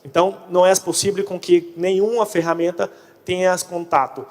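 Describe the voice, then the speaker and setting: A man with a Brazilian accent gives a conference talk in a fairly high-pitched voice. He is a native Portuguese speaker mixing in Spanish as Portunhol. The sound carries the long reverb of a large hall. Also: flat delivery, a little fast, a little mellow. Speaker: conference speaker on pest control. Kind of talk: conference presentation.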